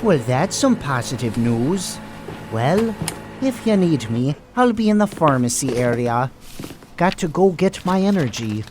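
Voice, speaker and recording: A woman's voice: low voice, sing-song, unhurried. A woman playing a breezy, chatty hospital staffer with a secret in an amateur audio drama. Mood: casual. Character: breezy hospital colleague with a secret drug habit. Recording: noisy home recording.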